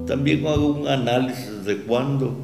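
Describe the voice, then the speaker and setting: Lively intonation colors a man's medium-pitched voice. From Ecuador. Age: 70s. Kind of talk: interview answer.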